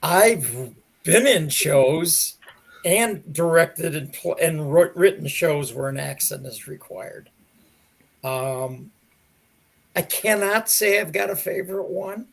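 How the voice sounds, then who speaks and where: A mature man answering interview questions as a theater director, in a measured, conversational way with pauses to think. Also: on the high side, vocal fry.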